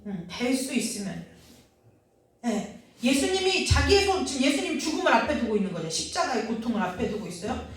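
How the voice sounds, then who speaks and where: A woman with a high voice gives an earnest sermon, turning questions to the congregation. She sounds far from the microphone, and the church around her rings with heavy echo. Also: very animated, quick pace. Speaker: preacher. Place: church sanctuary. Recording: very echoey, from far off.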